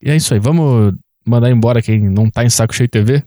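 A man co-hosting a casual comedy podcast, riffing with quick sarcastic jokes. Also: mid-range voice, dark tone, dry recording, studio quality. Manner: quick, joking, sarcastic riffs. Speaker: podcast co-host.

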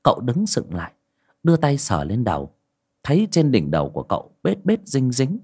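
Lively male folk-tale narrator. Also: medium pitch, moderate pace, breathy edge. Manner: lively storytelling. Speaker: storyteller. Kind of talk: folk ghost story narration.

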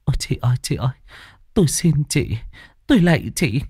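A man voicing a kindly old village woman who speaks softly and fusses over others. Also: medium pitch, very animated, brisk, slightly rough, no room sound, clean studio sound. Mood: pleading. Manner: soft, fussing, pleading.

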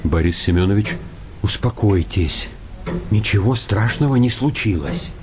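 An actor playing a timid, polite intellectual in a radio comedy play, hesitant and anxiously placating, pleading and flattering. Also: male voice, lowish voice, a little slow, noisy background. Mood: soothing.

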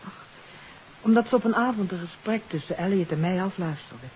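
An actress playing a troubled countess in a 1950s radio mystery, confessing earnestly and hesitantly. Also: female voice, fairly low pitch, brisk, lightly acted. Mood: regretful, reflective. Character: troubled countess confessing her part in a kidnapping. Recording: hissy, dull 1950s radio recording.

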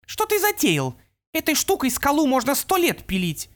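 A man's voice: very high-pitched, huge pitch swings, moderate pace, a bit bright, pitched above the performer's own voice, heavily acted. A male audiobook reader voicing a furious, vicious female pixie villain who shrieks and gloats. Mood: mocking. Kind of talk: audiobook character voice.

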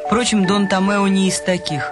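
High-voiced male radio narrator. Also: level tone, music in the background. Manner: measured storytelling.

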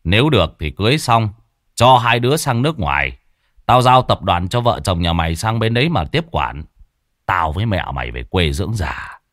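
Guy doing a gruff low rich dad, blunt, bossy, dry close sound. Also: very animated, normal speed, fairly bright tone, no echo. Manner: blunt, hesitant then bossy. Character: gruff middle-aged wealthy businessman father.

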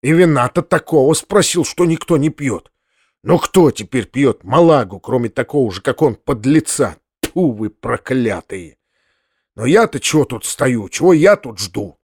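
A man's voice: expressive, a little slow, a little mellow, husky, dry recording, clean studio sound. A man doing a grumbling irascible old landowner. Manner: muttering, low grumbling.

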